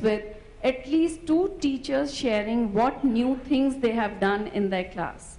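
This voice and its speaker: A woman speaks at a fairly slow pace with a high pitch and ordinary pitch variation. Audible room echo is present. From India. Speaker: school principal; school educator in the audience. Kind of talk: audience contribution. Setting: conference hall with audience. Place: hall. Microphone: handheld.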